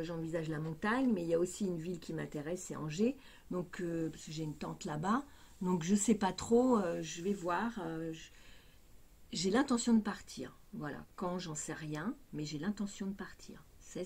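Older Parisian woman, slightly low voice. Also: a little mellow, husky. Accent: Parisian French. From Paris, France. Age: older, retired. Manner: hesitant, rambling, repeating phrases. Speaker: vlogger. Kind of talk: casual chat to camera. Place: small furnished room indoors.

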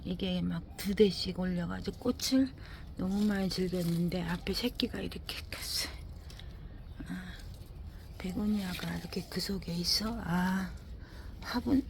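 A woman with a slow, unhurried delivery and a gravelly edge to her voice strolls through her indoor winter garden, remarking on each plant. She sighs and exclaims as she goes, and often talks straight to the plants. A faint hiss of background noise sits under the recording. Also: fairly low pitch, fairly even intonation. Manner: talks to plants and scolds her dog, frequent sighing exclamations. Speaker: gardening vlogger. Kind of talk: casual commentary touring her plants.

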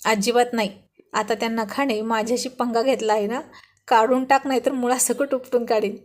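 A woman's voice: fairly high pitch, steady tone, brisk, close to an everyday voice. A woman reading a storybook, voicing a teasing, playful young husband in a bantering, mock-stern way.

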